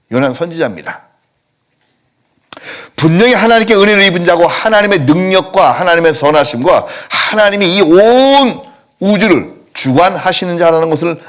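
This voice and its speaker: A male pastor preaching a sermon in a church, telling stories with lively acted-out quotes. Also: on the high side. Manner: animated storytelling, acting out quotes. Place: church sanctuary.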